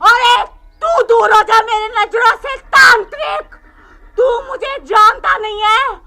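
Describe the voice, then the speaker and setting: An actress playing a possessed girl whose spirit taunts and threatens a holy man, shouting and cackling. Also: very high voice, takes it slowly, exaggerated voice. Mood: taunting. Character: possessed girl, spirit Anarkali, defiant and fierce.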